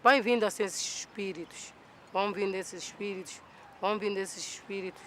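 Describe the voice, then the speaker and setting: A man speaking in a documentary interview, animated and piling up lists and repetitions. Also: high voice, fairly quick, slight background noise.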